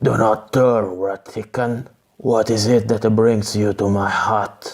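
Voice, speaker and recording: A man's put-on character voice, gravelly and menacing in tone, at a medium pitch and fairly slow pace with monotone, flat intonation. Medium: solo performance.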